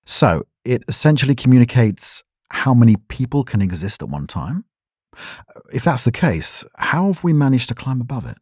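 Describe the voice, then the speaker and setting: Male broadcast news host, audio drama. Husky, composed, probing, dry studio sound. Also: medium pitch, big pitch swings, moderate pace, darkish tone, dry recording. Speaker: radio news host and interviewer.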